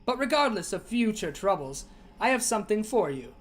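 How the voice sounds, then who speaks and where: A man voicing a high-pitched game quest giver with a slow, formal, solemn delivery. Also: very animated, husky, full character voice.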